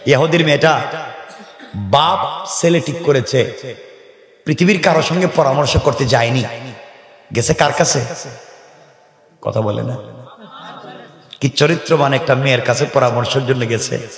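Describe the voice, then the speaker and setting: Loud preacher in an echoing hall. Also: male voice, mid-range voice, a little slow, pauses often. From Bangladesh. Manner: loud, rhetorical, prompts crowd responses. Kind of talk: sermon at a religious gathering. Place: large religious gathering. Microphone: microphone over PA. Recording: echoey hall, long reverb, PA.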